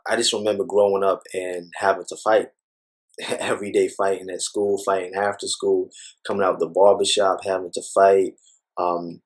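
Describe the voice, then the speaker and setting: In a reflective personal conversation, a man appears as an interview guest, speaking thoughtfully but rambling with many fillers. He has a low voice, and the recording quality is poor.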